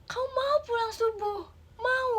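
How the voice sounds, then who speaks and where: A woman's voice: extremely high pitch, steady tone, a little slow, background noise, pitched above the performer's own voice. Woman playing a weepy martyred mother. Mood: sobbing plea. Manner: tearful, martyred, half-whispered pleading. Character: exhausted weepy mother guilt-tripping her child.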